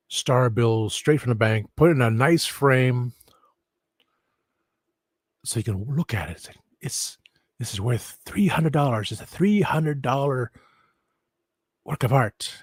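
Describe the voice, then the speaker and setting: A man's voice: mid-range voice, darkish tone, no echo. Rambling man on a livestream, dry sound. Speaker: streamer, host. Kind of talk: rambling casual livestream chat.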